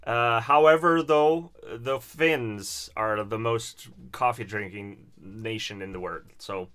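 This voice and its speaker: A man's voice: fairly low pitch, slow pace, fairly bright tone, clear, resonant tone. A man, hosting a casual livestream chat and reading viewer comments in a chatty, self-deprecating way. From Sweden. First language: Swedish. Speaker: livestream host.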